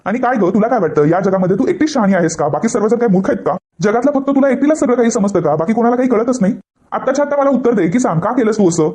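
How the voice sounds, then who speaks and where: A man voicing an angry young husband who shouts accusations to defend his mother. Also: sits high, lively intonation, rapid-fire.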